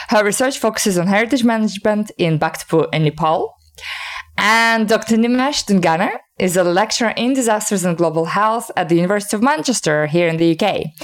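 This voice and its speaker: Casting: mid-pitched female host, formal and clear guest introductions. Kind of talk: scripted introduction.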